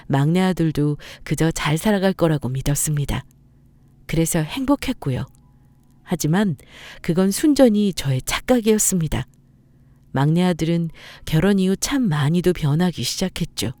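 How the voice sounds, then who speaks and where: A woman's voice: on the low side, warm tone, dry recording. A middle-aged woman telling her own story as scripted narration, earnest and determined.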